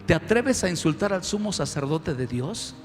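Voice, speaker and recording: A man voicing Paul's companions as grown men speaking low and hushed, in a reverberant hall. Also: big pitch swings, moderate pace, faint music behind. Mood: scolding. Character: calming friends of Paul, grown men, soothing then scolding.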